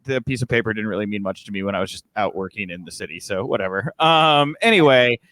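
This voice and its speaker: Lively, chatty male interview host. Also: on the low side, quick pace, no echo. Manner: chatty, self-deprecating, lively. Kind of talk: casual video call interview. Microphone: video call.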